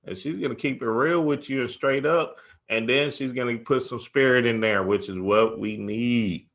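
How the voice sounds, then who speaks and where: Bright-voiced man, casual and effusive. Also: mid-range voice, moderate pace. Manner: informal, effusive. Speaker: show host. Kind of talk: casual spiritual talk, shout-outs.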